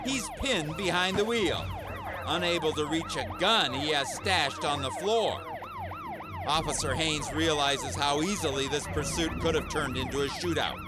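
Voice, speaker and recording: A man's voice: a little high, wildly swooping pitch, a little slow. A man narrating a police video show in a dramatic, scripted style with punchy, sensational delivery. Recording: loud sirens and vehicle noise behind. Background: sirens, engines and street ambience.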